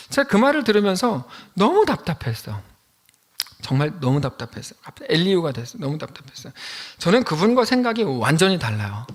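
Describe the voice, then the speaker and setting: A middle-aged male pastor delivering a sermon, acting out shouts and quotes as he preaches. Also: on the high side.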